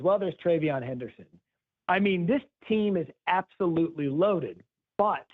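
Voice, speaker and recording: A man calling in as a guest football analyst, breaking down a team in a quick, emphatic way. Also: a little high, no echo. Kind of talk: phoned-in sports talk. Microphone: phone call. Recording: tinny phone line.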